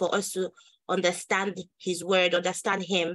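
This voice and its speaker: The background is quiet as a woman talks at a moderate pace. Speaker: Sunday school teacher. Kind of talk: lecture. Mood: warm, lightly laughing. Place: home room. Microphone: webcam.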